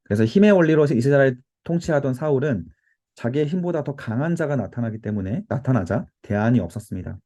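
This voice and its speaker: A man's voice: mid-range voice, mellow. A man teaching a Bible study to a youth group, explaining and exhorting while giving note-taking cues.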